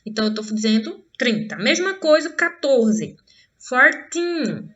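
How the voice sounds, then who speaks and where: A Brazilian woman teaching English to children, drawing out each English word slowly and often checking in with the class. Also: fairly high pitch, sing-song, highs cut off. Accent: Brazilian Portuguese. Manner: slow, drawn-out modelling of English words. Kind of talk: online class for young pupils.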